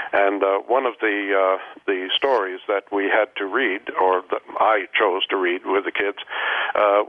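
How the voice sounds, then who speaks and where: A man, a guest Egyptologist, answering in a radio interview, halting with many ums and restarts. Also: on the low side, no echo. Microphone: telephone. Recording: tinny phone line.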